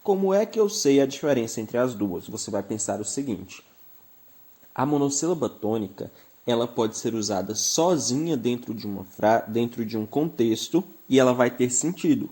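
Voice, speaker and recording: Brazilian male teacher, dark mellow tone, mid pitch, patient and clear, leans on example words. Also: expressive, normal speed. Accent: Brazilian Portuguese. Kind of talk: recorded grammar lesson.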